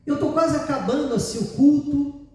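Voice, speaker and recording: A man's voice: very high voice, normal speed, a little mellow. A male pastor with a Brazilian Portuguese accent telling a story in a sermon, talking conversationally and hedging over details as he recalls them. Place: large church hall. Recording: echoey church hall from far off.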